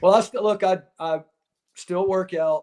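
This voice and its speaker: This man has an unremarkable speaking voice with fairly even intonation. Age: 60s. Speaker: former wrestling referee. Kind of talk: casual interview chat.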